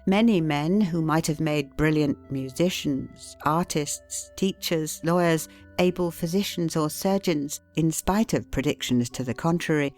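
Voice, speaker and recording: Low-voiced woman reading an audiobook. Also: a little mellow. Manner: measured, deliberate reading with emphatic pauses. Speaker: audiobook narrator. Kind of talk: scripted narration of a classic self-help book.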